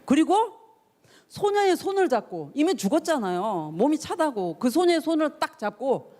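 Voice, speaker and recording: A woman preaching a sermon for teenagers, her voice sitting a little high and swinging widely up and down as she tells the story. She acts out the voices of the people in it with feeling and keeps putting questions to her young listeners. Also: moderate pace. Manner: animated storytelling, acting out voices and cries; asks the listeners questions directly. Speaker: youth pastor. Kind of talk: youth sermon.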